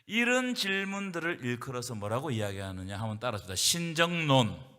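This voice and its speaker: A man's voice: mid-range voice, big pitch swings, fairly quick, pushed and bright. A male pastor leading a Bible study, preaching with rhetorical questions and calling the congregation to read along. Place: church hall. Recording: reverberant church hall.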